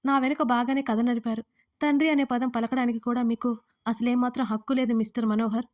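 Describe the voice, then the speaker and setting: A woman voicing a furious, desperate mother who shouts threats and accusations in a dramatic audio story. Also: on the high side, little pitch movement, brisk, close to an everyday voice. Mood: angry, accusing.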